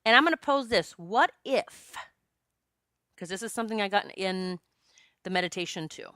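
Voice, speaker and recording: A woman in her late forties talks through a solo podcast episode. She is chatty and expressive, and her voice is bright and forceful. The sound is dry and close, with no room echo. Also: mid-range voice, normal speed. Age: 40s. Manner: chatty and expressive, jokes with listeners. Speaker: podcast host and psychic medium.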